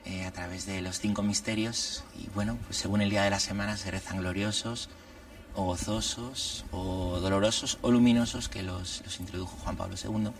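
A man, a priest and guest, explaining religious matters in an unhurried, reflective way and laying out his points one by one. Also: deep voice, fairly even intonation, far from the mic. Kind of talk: conversational religious commentary.

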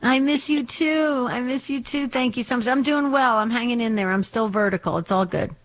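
A woman's voice: a little high, normal speed. Enthusiastic woman hosting call-in radio. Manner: enthusiastic, repeats words. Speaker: radio call-in show host. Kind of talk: religious call-in radio talk.

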